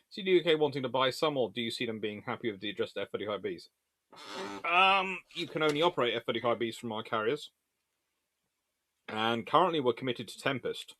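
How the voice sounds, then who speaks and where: Casting: man, mid-range voice, informal Q&A host who rambles and thinks out loud, recorded dry. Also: mid-range voice, dry recording. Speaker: host answering viewer questions. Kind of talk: casual rambling Q&A commentary.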